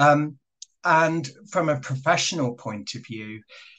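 In a British accent, a man speaks at a very slow pace with ordinary pitch variation. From UK. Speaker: dietitian. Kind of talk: interview. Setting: remote call.

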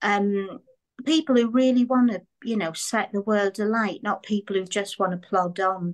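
At a moderate pace, a woman speaks in a plain, everyday voice with a medium pitch and ordinary pitch variation. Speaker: business owner in mentoring group. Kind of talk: group mentoring conversation. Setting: video call. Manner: casual, swears.

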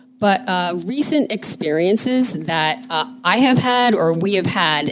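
Noticeable background noise sits under this recording. A woman with a medium pitch speaks with lively intonation. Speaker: financial advisor. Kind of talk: radio show discussion.

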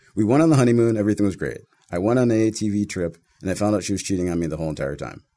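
Pitched fairly low, a man's dark, mellow voice moves at a very fast pace with lively intonation. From Minnesota. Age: 40s. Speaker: solar power salesman. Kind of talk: casual interview.

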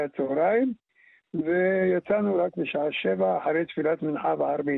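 The man's voice sits at a high pitch. He talks at a fairly slow pace. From Yemen, Sanaa, then Israel from age 10. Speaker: retired teacher and scholar. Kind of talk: interview testimony.

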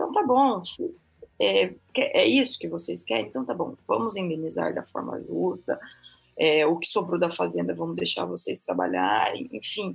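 A woman keeps a moderate pace while music plays in the background. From Paraná, Brazil. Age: 30s. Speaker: veterinarian and rural producer. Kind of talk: interview.

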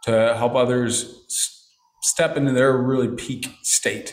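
An ordinary speaking voice goes at a fairly slow pace. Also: man. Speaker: business mentor and author. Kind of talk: interview conversation.

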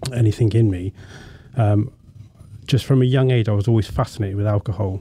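Music plays behind a man speaking with an English accent. His pitch is fairly low. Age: 40s. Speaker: author. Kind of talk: casual chat.

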